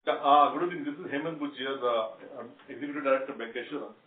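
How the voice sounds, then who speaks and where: A man's voice: mid-range voice, fairly even intonation, fast talker. A man with an Indian accent speaking as a company executive, giving a formal business explanation on a conference call. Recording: echoey, distant, noisy, narrow conference line.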